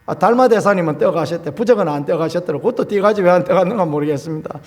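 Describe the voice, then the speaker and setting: Man, pastor, Sunday sermon, high-pitched, colloquial storytelling, dramatic loud bursts. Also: very fast. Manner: storytelling, acts out scenes with sudden loud bursts; colloquial and homely.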